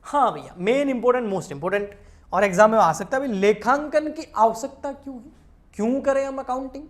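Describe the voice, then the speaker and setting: A woman's voice: fairly high pitch, lively intonation, normal speed. Patient woman lecturing with a lilt. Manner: explains patiently, checks in with students, addresses them familiarly. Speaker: accountancy teacher. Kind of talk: recorded exam-prep lecture.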